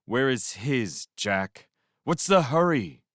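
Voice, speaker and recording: A man voicing an anxious young woman who speaks bitterly about someone rushing his work. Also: medium pitch, sing-song, a bit bright, no echo, studio quality, pitched above the performer's own voice. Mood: worried. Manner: tense, worried.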